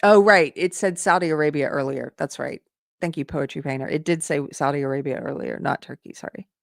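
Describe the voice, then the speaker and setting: A woman's voice: deep voice, a little fast, creaky, no echo. Chatty woman thinking aloud, dry sound. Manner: thinking aloud, frequent restarts, conversational; reads posts aloud with running commentary. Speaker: host. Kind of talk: casual political commentary.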